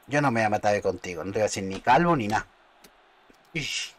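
Spanish guy streaming a football game, voice jumps all over, keeps swearing and yelling at his players. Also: lowish voice, brisk. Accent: Spain Spanish. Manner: excitable, muttering and cursing at the game. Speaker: gaming streamer. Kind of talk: live gameplay commentary.

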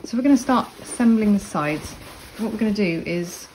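A woman explaining sewing steps in a casual, chatty tutorial voice-over, with relaxed asides. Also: medium pitch, fairly quick, a little hiss or hum, poor audio. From Cornwall, England. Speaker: sewing instructor. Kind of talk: casual step-by-step tutorial narration.

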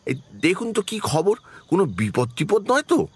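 A courteous, lively-pitched ashram head. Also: male voice, normal speed, a little hiss or hum. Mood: concerned. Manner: courteous, hesitant, solicitous. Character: polite, deferential, concerned head of an ashram. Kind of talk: audio horror drama acting.

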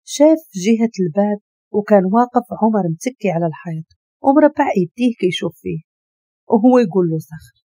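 A woman with a Moroccan Arabic accent narrating a dramatic story with a brisk, expressive reading. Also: mid-range voice, no room sound.

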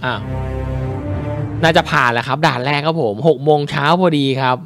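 A young man casually commentating his mobile game play, chatty and excitable, with sudden startled shouts. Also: medium pitch, moderate pace, vocal fry. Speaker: mobile game channel host. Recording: game music behind the voice.

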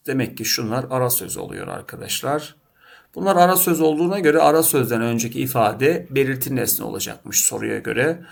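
Man, teacher, lesson, question-and-answer drilling, gravelly, mid pitch. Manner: question-and-answer drilling, repeatedly addressing students. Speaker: Turkish teacher. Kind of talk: lesson solving grammar test questions.

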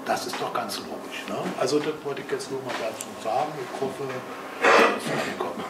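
An older man from Berlin talks emphatically in a plain, everyday way. He is picked up from a distance in an echoey room. Steady background noise runs under his voice. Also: medium pitch, fairly quick. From Berlin, Germany. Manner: emphatic, colloquial. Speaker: audience member. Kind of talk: opinionated audience comment. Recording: echoey room, voice from far off, noisy.

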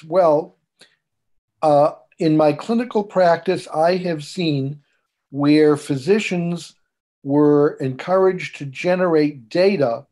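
An older man speaks at an unhurried pace in a somewhat high voice. He is a clinician summing up a committee discussion over a video call, measured and deliberate, with many fillers. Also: dark tone. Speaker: clinician and commission subcommittee member. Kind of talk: remote committee meeting remarks. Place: home room.

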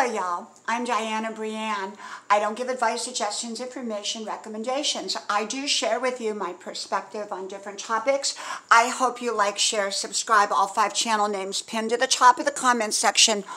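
A woman's voice: on the high side, pushed and bright, poor audio. An older woman hosting a casual motivational talk, folksy and emphatic, listing points in repeated phrases. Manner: folksy, repetitive, emphatic lists. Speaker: host.

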